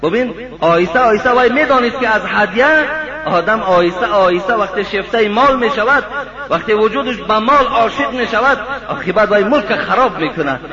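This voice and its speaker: A man preaching a sermon, telling a story in an animated way and turning to address his listeners directly. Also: high voice. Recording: dull lo-fi recording with crowd behind.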